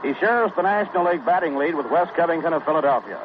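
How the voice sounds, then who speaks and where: This is old AM radio baseball coverage from the 1960s, tinny and noisy, with a man calling the play-by-play. His delivery is brisk and even, and he fills the gaps between pitches with statistics.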